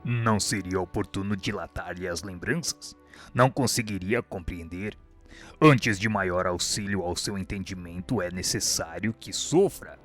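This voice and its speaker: A man playing a stern, authoritative spiritual mentor in a radio drama, speaking gravely. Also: sits low, measured pace. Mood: grave, firm. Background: music.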